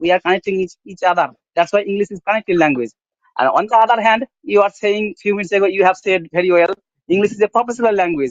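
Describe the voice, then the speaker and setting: The speaker talks at a very fast pace with a Bengali accent. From India, West Bengal. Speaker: English conversation partner. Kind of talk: conversation practice.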